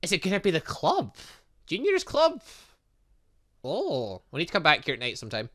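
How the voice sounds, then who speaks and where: A man's voice: fairly high pitch, huge pitch swings, normal speed, a bit bright. A man hosting a gaming video, chatting and reacting aloud as he plays through a visual novel. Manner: chatty, reacts aloud between read lines. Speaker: gaming channel host. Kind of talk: let's play commentary, reading visual novel dialogue aloud.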